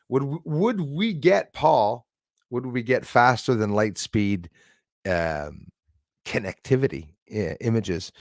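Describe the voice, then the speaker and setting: Rambling man in his sixties, low voice. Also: no echo, studio quality. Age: 60s. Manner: rambling, chatty, thanks viewers by name. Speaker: live stream host. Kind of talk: casual live-stream chat with viewers.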